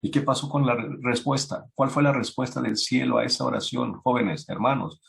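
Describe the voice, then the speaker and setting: A man preaching a sermon to young people, acting out pleading voices and rising in pitch when he stresses a point. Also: fairly quick, creaky. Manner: acts out biblical voices, rises in pitch when emphatic. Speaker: youth preacher.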